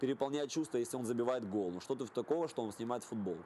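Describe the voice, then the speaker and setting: Over light background noise, a man speaks at a very fast pace in a dark, mellow tone with ordinary pitch variation. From Dnipro, Ukraine. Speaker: football ultras fan. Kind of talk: interview answer. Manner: halting, filler words. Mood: mildly indignant opinion. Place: home room.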